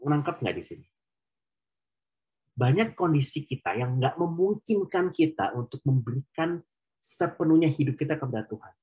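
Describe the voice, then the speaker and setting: A man's voice: on the high side, big pitch swings, moderate pace, pauses often, dark tone, low-quality recording. A man preaching conversationally at an online prayer meeting, slipping English phrases into his talk. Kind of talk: casual sermon.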